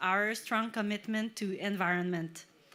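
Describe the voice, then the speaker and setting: A woman speaks with a French Canadian accent in a bright, sharp tone. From Quebec, Canada. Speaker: company communications officer. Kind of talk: conference presentation.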